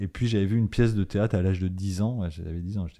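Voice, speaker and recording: In a very clean recording with a silent background, a man speaks at a fairly quick pace with a dark, mellow tone and fairly low pitch. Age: 50s. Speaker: documentary filmmaker. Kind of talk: interview. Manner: halting, many repetitions.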